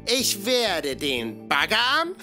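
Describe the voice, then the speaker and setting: A woman's voice: medium pitch, huge pitch swings, slow, pushed and bright, heavily acted. A woman voicing a cheerful, curious cartoon boy explorer in a children's show, exclaiming and wondering aloud to young viewers. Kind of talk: animated children's show dialogue. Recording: music behind the voice.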